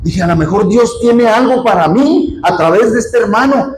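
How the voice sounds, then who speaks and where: A man preaches to his congregation, his voice pitched fairly high. He tells his story with animation, acts out the dialogue and keeps calling his listeners "hermano". The church sounds roomy and echoey, with faint ambience behind him. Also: expressive, moderate pace, a little hiss or hum. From Mexico. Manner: addresses the congregation often as "hermano". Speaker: pastor. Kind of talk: sermon with personal anecdote.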